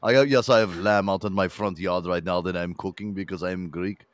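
A man's voice: sits low, steady tone, moderate pace, no room sound. A man hosting a casual talk show with a mixed New York and Mid-Atlantic accent, joking, swearing and laughing. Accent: Mid-Atlantic and New York mix. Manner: profane, laughing, jokey. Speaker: host. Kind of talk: casual chat.

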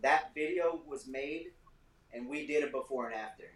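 A man's voice: mid-range voice, normal speed, far from the mic. A man, a repair tech guest, talking eagerly in a casual podcast chat and checking that he is understood. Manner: eager, keeps checking in with "you know what I mean". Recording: roomy, off-mic, faint hiss.

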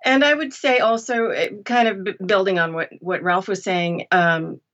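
A woman's voice: medium pitch, moderate pace, fairly bright tone, lo-fi sound. A woman speaking as a podcast guest, offering practical advice in an informal conversation. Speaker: podcast guest, audiobook narrator. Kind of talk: interview conversation, giving advice.

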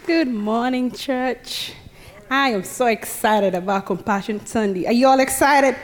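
A woman's voice: on the high side, unhurried, a faint crowd. A young Ugandan woman with a Ugandan accent giving her personal testimony to a congregation, earnest and speaking straight to the audience. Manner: earnest, engaging the audience directly. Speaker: guest speaker. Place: church sanctuary. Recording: reverberant church hall.

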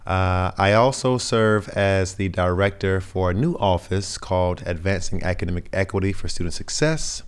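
Raspy, deep-voiced young man. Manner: earnest, measured, many fillers and restarts. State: raspy from a sinus infection. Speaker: interview guest. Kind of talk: casual conversational interview.

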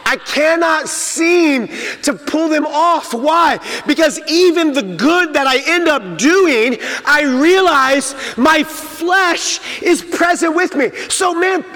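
Pastor guy preaching, pretty high voice, big echo tail from the church hall. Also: lively intonation, slow pace, sharp tone. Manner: emphatic preaching, acts out inner voices. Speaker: senior pastor. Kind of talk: sermon. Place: church sanctuary.

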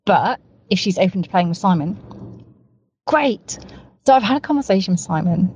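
A woman's voice: mid-range voice, lively intonation, moderate pace, darkish tone, slightly rough, rough recording. A woman with a cold, talking in an eager, rambling way and piling up words for emphasis, recorded in a parked car. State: has a cold. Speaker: podcast co-host. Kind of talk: recorded voice message, casual.

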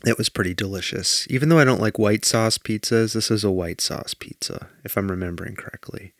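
A man co-hosting a podcast, chatting casually and telling rambling stories in a deadpan way with plenty of fillers. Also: fairly low pitch, fairly quick, gravelly, dry recording, studio quality. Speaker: podcast co-host. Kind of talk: casual chat.

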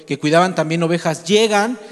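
A man's voice: a little high, brisk. A man preaching a sermon, telling a story and asking his listeners direct questions. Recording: long hall reverb.

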